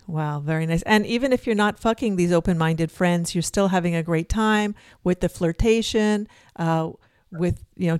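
A woman co-hosting a casual interview podcast, frank and enthusiastic, with lots of quick affirmations. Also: lowish voice, darkish tone, clear, resonant tone, dry recording. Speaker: podcast co-host.

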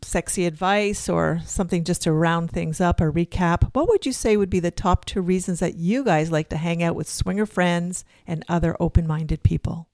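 A woman co-hosting a casual interview podcast, frank and enthusiastic, with lots of quick affirmations. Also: fairly low pitch, darkish tone, no room sound. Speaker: podcast co-host.

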